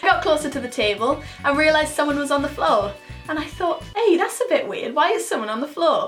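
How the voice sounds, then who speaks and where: Over music in the background, a woman with a Welsh accent talks very fast in an upbeat tone, with high pitch and very wide pitch swings. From Wales. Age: young. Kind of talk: casual storytime talk to camera. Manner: upbeat, chatty.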